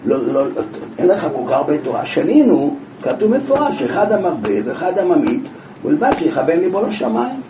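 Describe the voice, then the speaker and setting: A man teaching a Talmud class, telling the story with lively rhetorical questions. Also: high-pitched. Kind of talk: Talmud class, explaining a passage. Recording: echoey room from far off, with background noise.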